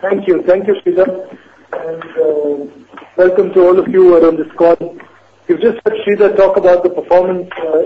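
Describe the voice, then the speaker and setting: A man making formal, deliberate remarks with some hesitations as a senior executive on an earnings call. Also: sits high. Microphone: conference call line. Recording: dull lo-fi conference call audio.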